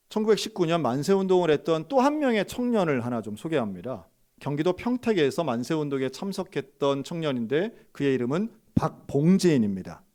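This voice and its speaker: Pastor preaching with a lively, rising voice. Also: male voice, on the high side. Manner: storytelling, acts out quoted dialogue with sharp rises; direct questions to the congregation. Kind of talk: sermon.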